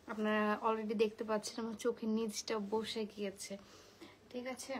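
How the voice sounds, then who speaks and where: A woman hosts a live sales stream, keeping her voice low and careful while a migraine presses on her. Her voice sits a little high, and she drops English words into her Bengali as she chats with viewers. A faint hiss of noise sits behind her. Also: little pitch movement, normal speed, poor audio. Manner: speaking softly, mixing English words into Bengali. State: suffering a migraine. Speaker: live sari seller.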